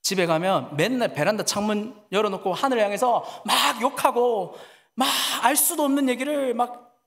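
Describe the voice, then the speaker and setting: A man voicing an anxious middle-aged woman church deaconess, retelling her words in an excited, pleading tone. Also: sits high, normal speed, vocal fry, long reverb tail, voice pushed up. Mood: distressed.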